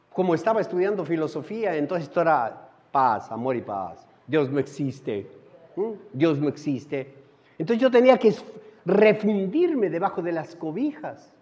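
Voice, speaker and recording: A middle-aged male pastor delivers a storytelling sermon in a high-pitched voice. He swings between loud, emphatic lines and hushed, intimate ones. The recording is dull and muffled, with a long church reverb trailing his words. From Colombia. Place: church sanctuary.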